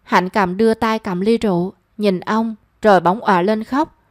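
A woman reads a romance story aloud in a measured, expressive narrator's voice. Her pitch sits in the middle range. The recording is dry and close, with no room sound. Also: no echo.

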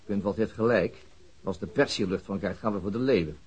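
An actor playing a brisk, sober senior police inspector giving orders in a Dutch radio crime drama. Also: male voice, fairly low pitch, darkish tone, husky. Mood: brisk, decisive. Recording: dull, muffled radio drama recording.

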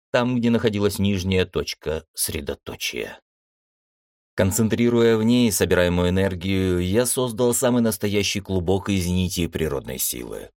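A man with a very low, deep voice reads a fantasy novel aloud in the first person. His delivery is steady and measured, carrying a tense inner monologue. The sound is dry and close, with no room around it. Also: no echo. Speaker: audiobook narrator. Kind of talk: first-person audiobook narration.

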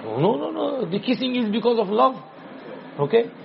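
A high-voiced man with a South Asian accent gives an informal religious lesson. He instructs repetitively, often checking that people follow. The recording is dull and lo-fi, with some noise behind him. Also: very animated, normal speed, gravelly. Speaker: religious teacher. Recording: dull lo-fi sound with background noise.

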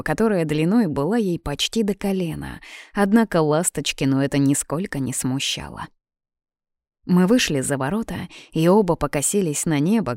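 A woman narrates a novel in steady first person, reading evenly. Her voice sits a little low. The recording is dry and close, with no room echo. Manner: even storytelling reading. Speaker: audiobook narrator.

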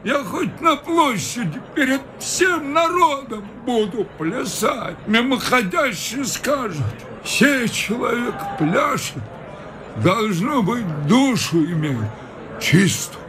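An actor playing a smug old official who preaches slowly and breaks into shouts. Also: male voice, very high voice, sing-song, noisy background, exaggerated voice. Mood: preaching. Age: older. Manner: slow sermonizing, breaks into shouts. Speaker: official in a radio play. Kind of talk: 1950s-style radio drama acting. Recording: radio play with music behind.

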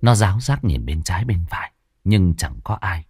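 A man narrating a story in a steady, expressive way. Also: low-pitched, normal speed, slightly rough, no echo.

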